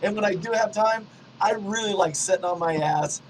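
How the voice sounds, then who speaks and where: An easygoing middle-aged host with a fairly high voice chats loosely and laughs often. A faint hiss sits under the recording. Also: male voice, normal speed, rough recording. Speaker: podcast host. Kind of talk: casual conversation.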